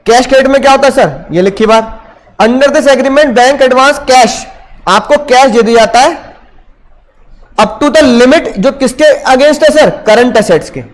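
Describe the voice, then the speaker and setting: A man from India teaching commerce in a classroom lecture, animated and firing rhetorical questions at his students. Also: very high voice.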